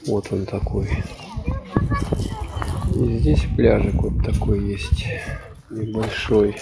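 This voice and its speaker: A vlogger rambling casually and musing aloud in short remarks while walking outdoors by the water. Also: mid-range voice. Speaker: vlogger filming a walk. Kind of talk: casual unscripted walking commentary. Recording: noisy outdoor recording, wind and ambience.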